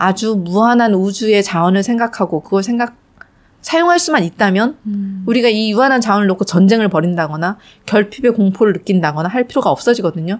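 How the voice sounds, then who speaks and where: Speaking at a fairly quick pace, a woman with a plain, everyday voice keeps a medium pitch and lively intonation. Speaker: physicist who builds satellites. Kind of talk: interview.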